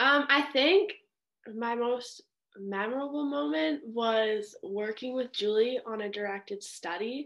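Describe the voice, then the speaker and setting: A woman talks in an ordinary speaking voice at a fairly high pitch. She goes at a fairly slow pace with lively intonation. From Tweed, southern Ontario. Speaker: university student. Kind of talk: webinar panel talk.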